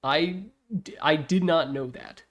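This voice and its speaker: A man's voice: a little high, a little slow, fairly bright tone. A young man giving casual, opinionated commentary on video games in an informal, slangy, joking way.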